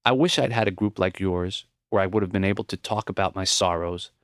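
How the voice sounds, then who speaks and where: A man voicing a gentle, reflective, dying elderly teacher in an audiobook, speaking earnestly and plainly in measured phrases. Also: deep voice, no room sound, studio quality. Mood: sorrowful. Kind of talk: audiobook character voice.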